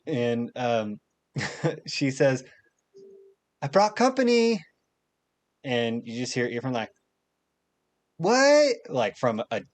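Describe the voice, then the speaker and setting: A man narrating a tabletop game as game master, rambling with many fillers. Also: medium pitch.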